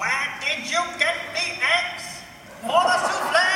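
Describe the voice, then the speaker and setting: A man puts on a robotic character voice at an extremely high pitch, speaking at a fairly slow pace amid strong echo and clear background noise. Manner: mechanical, harsh.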